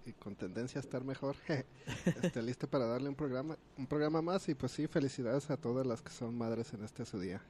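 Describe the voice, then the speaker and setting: A man's voice: medium pitch, fairly quick, hardly any pauses, darkish tone, a little hiss or hum. A man, co-hosting a casual radio talk show, easygoing and joking.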